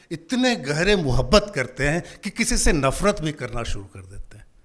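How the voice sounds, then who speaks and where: A man with a Bihari accent, on a very clean recording with a silent background. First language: Magahi (speaking Hindi). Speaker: panel speaker, academic. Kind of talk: panel talk. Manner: hesitant with frequent fillers.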